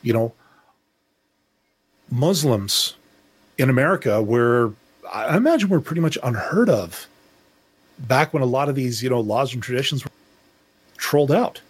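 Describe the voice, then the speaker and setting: A middle-aged man co-hosting a podcast talks in a casual, rambling, reflective way, often restarting his sentences. His voice is medium-pitched with a breathy edge, and there's no echo.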